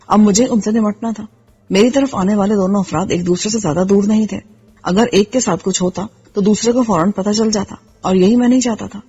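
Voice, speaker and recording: A woman reading a first-person action novel aloud in steady storytelling narration. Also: mid-range voice, slightly rough. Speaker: audiobook narrator. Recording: slightly dull with faint music.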